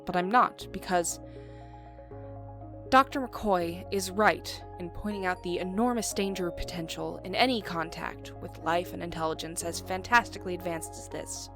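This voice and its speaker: A woman's voice: fairly low pitch, over music, close to an everyday voice. Woman reading as a theatrical, rousing starship captain. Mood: commanding, rousing. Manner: theatrical, deliberate pauses. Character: rousing male starship captain making a grand speech. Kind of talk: dramatic monologue reading.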